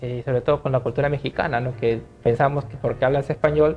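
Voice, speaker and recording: A Peruvian accent over background music, with fairly even intonation. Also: man. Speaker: writer. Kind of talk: interview. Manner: hesitant, many fillers.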